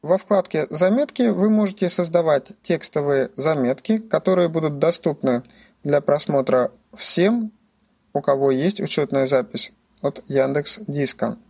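A man's voice: fairly high pitch, unhurried, vocal fry, darkish tone, husky. A man giving scripted instructional narration as a tutorial presenter, explaining things methodically, step by step.

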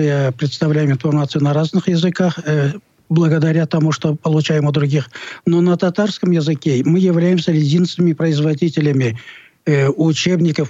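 A man from Tatarstan answering as an interview guest, explaining his library's work in an earnest, halting, self-correcting way. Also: fairly high pitch, mellow, no echo. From Tatarstan, Russia. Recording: dull, muffled lo-fi audio.

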